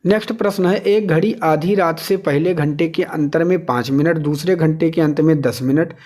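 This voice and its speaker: A man's voice: fairly high pitch, moderate pace, darkish tone. A man teaching an exam lesson step by step, asking questions, answering them himself and repeating key figures.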